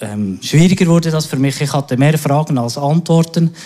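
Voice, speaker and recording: Pitch moves in an ordinary way as the words come at a moderate speed. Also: man. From Switzerland, Bernese Oberland (Kandersteg). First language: Swiss German (speaking German). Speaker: churchgoer sharing his story. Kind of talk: testimony. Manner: halting.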